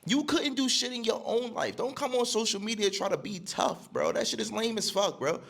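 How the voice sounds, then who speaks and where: A man with a husky voice argues in a combative, repetitive way, and his pitch swings widely. He sounds like he is hosting a live stream. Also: animated, normal speed, a bit bright. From United States. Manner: combative, repeats himself. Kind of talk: heated live stream argument.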